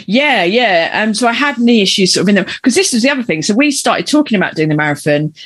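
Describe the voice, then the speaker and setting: A woman's voice: medium pitch, animated, quick pace, a bit bright, slightly rough. A woman with a South London accent talking casually and candidly, with some swearing and self-deprecation. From South London, England. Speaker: podcast guest, amateur marathon runner. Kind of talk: casual chat.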